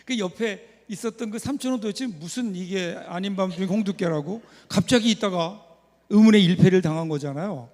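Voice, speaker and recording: A man's voice: high voice, fairly quick, darkish tone. A man preaching a Sunday sermon as pastor, telling a story conversationally and putting rhetorical questions to the congregation. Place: church sanctuary. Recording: long reverb of a church hall.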